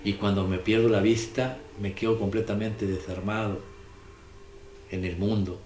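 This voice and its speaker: A man's voice: fairly low pitch, little pitch movement, measured pace, a little mellow, slight background noise. A man preaching a sermon, emphatic and repetitive, putting questions to his listeners. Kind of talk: sermon on the daily gospel. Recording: echoey room with music behind.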